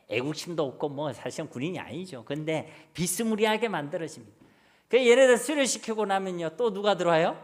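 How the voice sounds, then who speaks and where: Animated Gyeongsang pastor preaching a sermon. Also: male voice, high voice. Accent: Gyeongsang Korean. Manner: animated preaching, rhetorical questions to the congregation.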